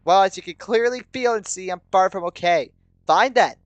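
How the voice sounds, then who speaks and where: A man's voice: fairly high pitch, animated, very fast, sharp tone, no room sound, lo-fi sound, pitched above the performer's own voice. A man voicing hot-tempered, bickering teenagers in a combative, sweary dramatic reading. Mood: angry. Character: hot-tempered, bickering inner voices of troubled teens.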